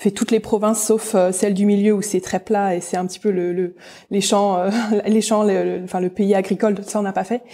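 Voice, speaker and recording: Speaking at a fairly quick pace, a woman with a medium pitch and a dark, mellow tone keeps a monotone, flat intonation on a very clean recording with a silent background. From France, Alsace. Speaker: entrepreneur, textile business founder. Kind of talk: podcast interview. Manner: hesitant, many fillers.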